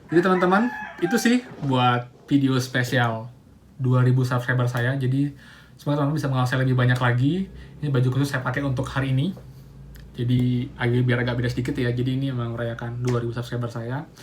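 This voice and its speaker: Speaking at a very fast pace, a man with a medium pitch keeps his intonation fairly even amid audible room echo. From Bali, Buleleng (Singaraja). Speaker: YouTuber. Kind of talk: casual vlog talk to camera. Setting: on camera, face shown.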